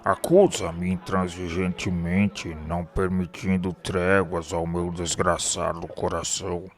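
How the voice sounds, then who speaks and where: Radio drama: male actor as tormented Brazilian spirit, very low, slow, solemn, heavy with guilt. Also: flat delivery. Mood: anguished, remorseful.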